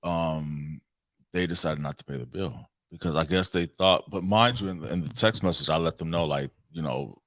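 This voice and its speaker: A man's voice: extremely low pitch, normal speed, a bit bright, dry recording. An American man in casual, slangy conversation, telling personal stories as a talk show co-host. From Cincinnati, Ohio, United States. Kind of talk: casual chat, personal storytelling.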